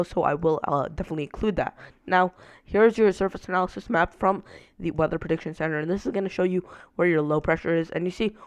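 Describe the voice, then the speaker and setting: A young man who is sick and a bit raspy, casually talking through a weather forecast with many fillers. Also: high voice, dry recording. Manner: many "uh" fillers while walking through maps.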